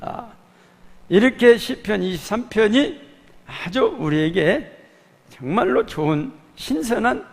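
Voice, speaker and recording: A male pastor from Jeolla province preaching a Sunday sermon in a church, halting with drawn-out "ah" and "eh" fillers and sudden emphatic rises on key words. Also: high-pitched, sing-song, vocal fry. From Jeolla province, Korea. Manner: halting, fills pauses with drawn-out "ah" and "eh". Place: church sanctuary. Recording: long hall reverb from a church.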